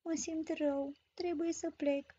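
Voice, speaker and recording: A woman voicing a sick young sister, the letter E, in a storybook lesson, speaking gently and slowly. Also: high voice, level tone, highs cut off, close to an everyday voice. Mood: unwell.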